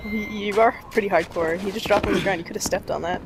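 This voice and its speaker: A woman's voice: mid-range voice, fairly even intonation, fast talker, heavy background noise. A woman co-commentating casually on a video game. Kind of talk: casual let's play chat.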